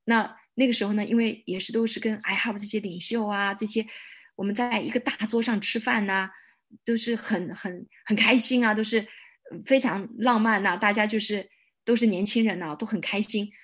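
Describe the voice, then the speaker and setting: A woman pastor giving a personal testimony, telling her story in a lively way and acting out her own prayers. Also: mid-range voice, normal speed.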